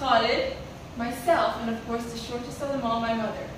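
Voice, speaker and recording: Against noticeable background noise and strong room echo, a woman with a high pitch and a playful tone talks at a fairly quick pace with fairly even intonation. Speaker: Toastmasters club member. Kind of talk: roast speech, comedic toast at a birthday. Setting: stage with audience. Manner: playful, teasing, with laughing pauses; deadpan mock-sincere, humble tribute. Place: meeting room. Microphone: camera far.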